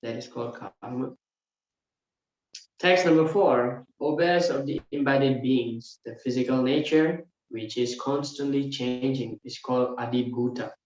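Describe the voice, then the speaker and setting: A man teaching a scripture class, explaining verse by verse and often filling pauses with "yeah" and "uh". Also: medium pitch, fairly even intonation, a little mellow. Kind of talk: scripture lecture. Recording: very echoey room, dull lo-fi sound.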